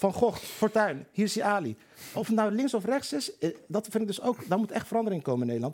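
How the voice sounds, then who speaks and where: A man talks at a very fast pace. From Netherlands, Rotterdam. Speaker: former member of parliament. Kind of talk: casual chat.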